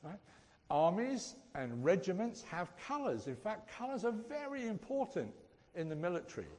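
A man's voice: sits high, big pitch swings, moderate pace, a little mellow. A man with a Suffolk English accent gives an informal teaching sermon, conversational and often checking in with his listeners with questions. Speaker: preacher. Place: large echoing hall, speaking to a group. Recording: reverberant hall.

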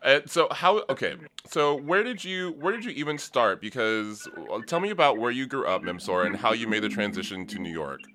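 A man's voice: medium pitch, big pitch swings, brisk, few pauses, pushed and bright, a little hiss or hum. A man hosting a casual interview, informal and cheeky, often restarting his questions as he goes. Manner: informal, cheeky, hesitant phrasing. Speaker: interviewer, show host.

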